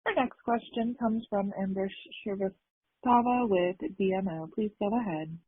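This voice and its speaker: Woman, call operator, medium pitch, formal scripted announcements, dry narrowband telephone sound. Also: moderate pace, breathy edge. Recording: dry, narrow phone line.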